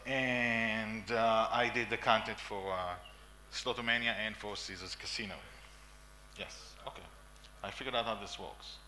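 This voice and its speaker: A man's voice: on the low side, fairly even intonation, unhurried, bright, forceful tone, slight background noise. A man in his forties with an Israeli accent, giving an emphatic conference talk with fillers and coughs in a meeting room. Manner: emphatic, repeats lists, frequent coughs and fillers. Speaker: conference speaker.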